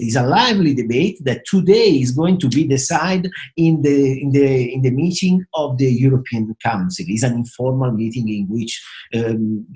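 A middle-aged man from Italy with an Italian accent, explaining in a halting, hesitant way with many fillers and repeated words, like a professor speaking to a webcam. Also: mid-range voice, darkish tone. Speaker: professor of finance and risk management. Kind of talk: explanatory talk to camera. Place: small indoor home office with bookshelves.

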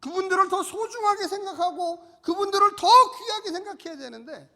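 High-voiced pastor preaching in an echoing hall. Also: male voice, brisk, pushed and bright. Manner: exhorting, calls on the congregation to repeat and respond. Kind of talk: sermon. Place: church sanctuary. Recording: long church-hall reverb.

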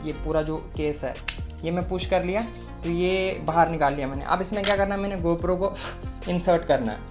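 A man's voice: on the high side, normal speed, over music. A young man, chatting step by step as he demonstrates gear at a desk. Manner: chatty, explains step by step, mixes English words. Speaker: moto vlogger. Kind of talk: casual tutorial demonstration. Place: small room at a desk.

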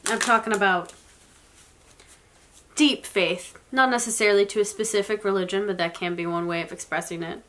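Sniffly young woman w a cold, talking slow and soft, doing a tarot reading at home. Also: mid-range voice, fairly even intonation, a little hiss or hum. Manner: soft, slow and reflective, with occasional small laughs. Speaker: tarot reader. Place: indoors, in front of a floral blanket.

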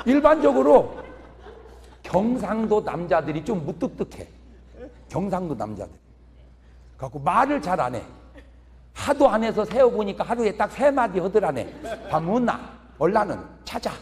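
A male pastor giving a humorous revival sermon in a large church hall, animated and chuckling through his lines. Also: high-pitched, moderate pace, long pauses.

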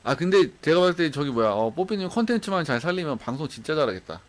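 Excitable thirties male streamer, loud, laughs a lot, headset. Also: fairly high pitch, fast talker. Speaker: game streamer. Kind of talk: casual live-stream chat. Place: small home room. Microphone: headset mic.

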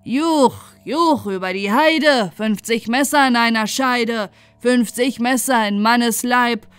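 A woman's voice: on the high side, takes it slowly, fairly bright tone, smooth, no echo. A woman voicing accusing servants in a fairy tale, chanting grimly in emphatic rhythm. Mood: grim accusation. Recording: music bed under the voice.

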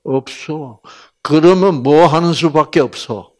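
A man's voice: a little high, takes it slowly. An older man giving a Bible lecture like a sermon. He tells stories with energy, acts out the quoted lines himself and asks his listeners questions. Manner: animated storyteller acting out quotes and asking the audience questions.

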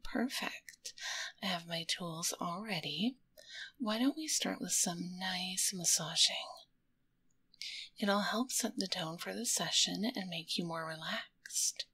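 A woman with a lowish, husky voice whispers breathily into a close binaural mic, playing a grumpy young tomboy who secretly works as an ASMR artist. Her delivery is exaggerated, slow and hushed, a polite, soothing service talk broken by curt asides. The audio quality is poor.

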